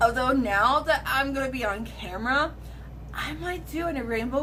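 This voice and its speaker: A woman talks at a moderate speed, and audible room echo follows her words. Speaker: streamer. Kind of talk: casual live stream chat. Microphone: laptop camera.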